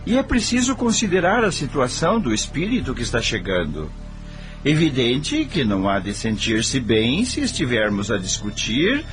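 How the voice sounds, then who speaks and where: A male actor plays a serene, preachy businessman in a radio soap. His mid-range voice rises and falls dramatically, with music behind his measured persuasion. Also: mid-range voice. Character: serene, devout businessman, joyful expectant grandfather, gently persuasive. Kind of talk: radio soap opera acting.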